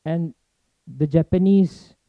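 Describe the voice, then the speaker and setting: A young man from Malaysia, giving a chatty, informal forum talk in fast bursts. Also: a little high, no echo. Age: young adult. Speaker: forum speaker. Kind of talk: casual presentation to an audience. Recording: tinny phone-like sound, dry.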